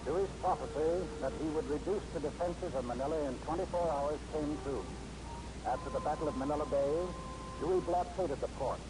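A man announcing and narrating an old radio show in formal, measured 1940s radio style. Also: on the high side, low-quality recording. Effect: old radio show broadcast sound.

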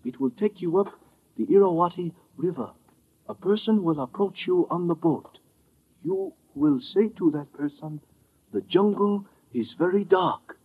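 An actor playing a serene, cryptic old Burmese priest in a radio drama, speaking in solemn, formal, measured pronouncements. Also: male voice, high-pitched, animated, husky, full character voice. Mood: cryptic, instructing. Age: older. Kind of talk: 1950s radio drama acting. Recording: muffled old radio recording.

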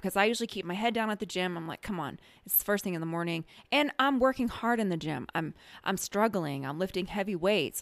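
A woman hosting a casual podcast, chatty and laughing often, her voice a little hoarse this morning. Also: lowish voice, no echo. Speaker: podcast host, energy healer.

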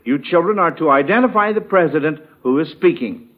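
A man hosting a 1940s radio quiz in a folksy, avuncular, halting way. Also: on the high side, lively intonation. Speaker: radio quiz show host. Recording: muffled 1940s radio broadcast.

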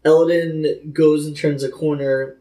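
A man's voice: a little high, level tone, a little slow, warm tone, roomy sound, rough recording. A man co-hosting a casual book discussion, loose and enthusiastic, saying "like" often. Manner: loose, enthusiastic, heavy use of "like". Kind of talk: casual chat.

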